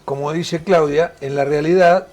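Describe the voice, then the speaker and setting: A man's voice: a little high, steady tone, normal speed, a little mellow. A man from Argentina with an Argentine accent, co-hosting a morning TV talk show in a chatty, joking way. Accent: Argentine Spanish. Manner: chatty, joking, reads out ad figures. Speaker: TV show co-host. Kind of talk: casual TV talk show banter.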